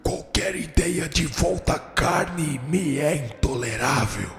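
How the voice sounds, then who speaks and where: Gravelly haughty spirit tyrant, slow stern verdicts, cold vengeful temper, radio drama, echoing hall. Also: male voice, on the high side, expressive. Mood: cold refusal. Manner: haughty, stern, pronouncing like a judge. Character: powerful, vengeful male spirit judge, cold and unforgiving. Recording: echoey long hall reverb, music underneath. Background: music.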